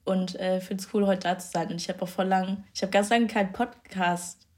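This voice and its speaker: A woman's voice: medium pitch, fairly even intonation, normal speed, darkish tone. A young woman from northern Germany, a bubbly podcast guest in casual chat who laughs often and drops English slang. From Schleswig-Holstein, northern Germany.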